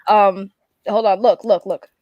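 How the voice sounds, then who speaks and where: A woman talking casually in a group chat, animated and informal, often repeating phrases as she goes. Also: medium pitch, unhurried, no room sound, lo-fi sound. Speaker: panelist on an entertainment chat show.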